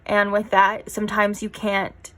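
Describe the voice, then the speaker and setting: A woman's voice: mid-range voice, completely flat delivery, a little slow, a bit bright. Young woman doing a tarot reading, rambly and chatty, lots of you know's. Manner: rambling, chatty, many fillers. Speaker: tarot reader.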